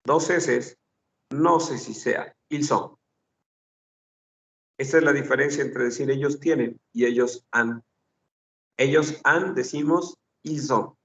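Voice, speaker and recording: A man's voice: medium pitch, measured pace, gravelly, distant mic. A man teaching a French phonetics class, patiently repeating sounds and examples. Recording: dull lo-fi recording.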